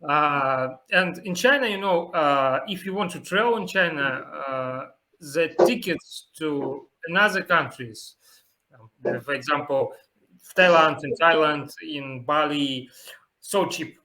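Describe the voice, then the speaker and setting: A young man from Russia chats with a guest in halting, Russian-accented English. He laughs easily. His voice is bright and sits a bit high, with faint hiss behind it. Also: poor audio. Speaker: host. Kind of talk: casual interview chat.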